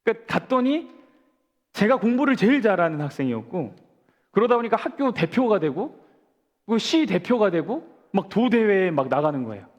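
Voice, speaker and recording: A man's voice: high-pitched, very animated, normal speed, muffled recording. A man in his forties, a pastor preaching a sermon, telling a story and asking the congregation questions before answering them himself. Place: church sanctuary. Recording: long church-hall reverb.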